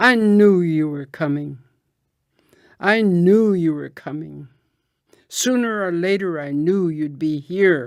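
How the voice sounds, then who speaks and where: Gruff and growling, a put-on character voice sits at middle pitch and moves at a fairly slow pace with long, frequent pauses. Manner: menacing, cold.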